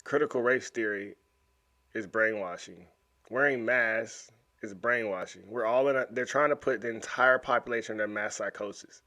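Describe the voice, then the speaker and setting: This American YouTube host talks over a video in a casual, lively reaction, frequently repeating and restarting words. His voice is on the low side, pushed and bright, at a normal speed.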